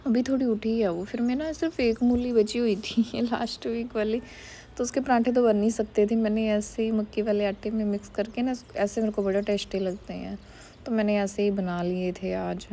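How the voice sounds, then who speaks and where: A woman's voice: mid-range voice, warm tone, slight background noise. A woman in her thirties, a mother casually narrating her family's day and teasing her kids, recorded on a phone. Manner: chatty, scolding and teasing about her kids. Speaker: vlogger and mother.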